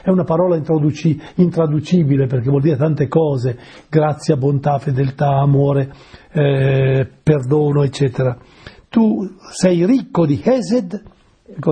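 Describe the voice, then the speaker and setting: Man, preacher, conversational sermon, very raspy voice, rather high pitch, patient explaining, rhetorical questions. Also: dark tone.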